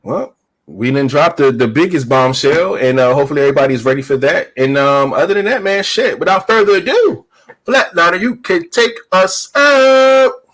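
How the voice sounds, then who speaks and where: A man's voice: on the high side, animated, normal speed, a bit bright. A man in his thirties hosting a podcast, talking in a loose, slangy way and laughing often. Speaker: podcast host. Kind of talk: casual podcast chat.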